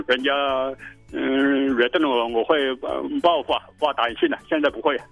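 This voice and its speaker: A man phoning a radio show chats casually and haltingly, repeating words as he goes, over a dull phone-in line. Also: mid-range voice, creaky, dry recording, faint music behind.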